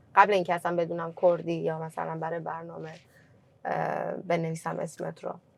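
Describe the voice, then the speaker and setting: In a Kurdish accent, a woman talks at a fairly quick pace, her loudness swinging widely. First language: Kurdish (speaking Persian). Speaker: podcast host. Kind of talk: interview.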